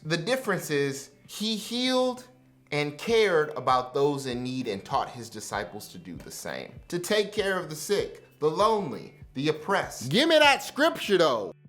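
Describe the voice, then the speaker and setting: A man's voice: a little high, fairly bright tone. A man giving a casual, joking youth sermon in a conversational, slangy way. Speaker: youth pastor.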